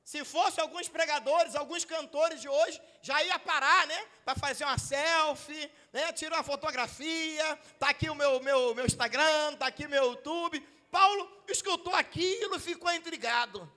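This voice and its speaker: Brazilian pastor preaching in church, real high voice, lots of hall reverb. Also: male voice, normal speed, few pauses. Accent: Brazilian Portuguese. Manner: swings from quiet asides to shouted emphasis. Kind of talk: sermon.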